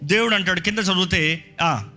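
A man pastor delivers an animated sermon, slipping English phrases into his talk. His voice sits high and rings very bright. Faint music plays underneath. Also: normal speed.

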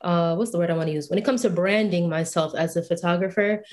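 A woman speaks as a podcast guest in an animated, emphatic manner. Her voice sits a little low for a woman. She talks in a relaxed, conversational way. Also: fast talker. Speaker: guest, UI/UX designer and photographer. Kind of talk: casual podcast interview.

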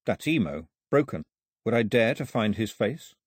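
A man acts out a stubborn young male islander in an audiobook story. He is blunt and sceptical, with a lively, husky voice in a dry sound. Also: lowish voice, normal speed, no echo. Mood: doubtful. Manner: blunt, challenging.

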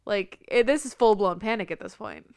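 A woman's voice: medium pitch, moderate pace, a little mellow, smooth, no echo, studio quality. A woman in her twenties co-hosting a podcast, chatting casually with a sarcastic, teasing edge. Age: 20s. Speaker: podcast co-host. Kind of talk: casual chat.

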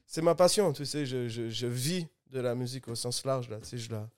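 A man in his twenties from Guadeloupe with a Guadeloupean accent, a music producer talking as a guest in a relaxed, easygoing way. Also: medium pitch, a little fast, clean tone. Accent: Guadeloupean French. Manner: relaxed, laid-back, mixes English slang. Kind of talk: casual podcast chat.

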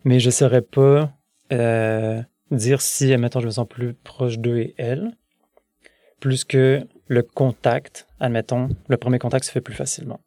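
A man in his thirties from France, speaking with a Québécois accent, a guest in a casual interview who talks haltingly with many restarts and fillers. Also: medium pitch, level tone, warm tone, no room sound, studio quality. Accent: Québécois French. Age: 30s.

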